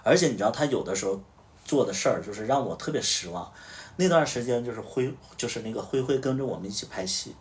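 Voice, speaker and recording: A man's voice: mid-range voice, animated, quick pace, distant mic. A man hosting a livestream, casually telling a story and acting out what each person said. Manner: recounts events through reported dialogue. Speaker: livestream host.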